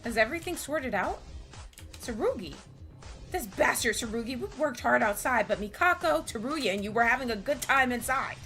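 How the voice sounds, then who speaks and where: A woman reading game dialogue aloud, voicing bantering, earnest anime visual-novel students in a theatrical, expressive way. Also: fairly high pitch, moderate pace, soft background music.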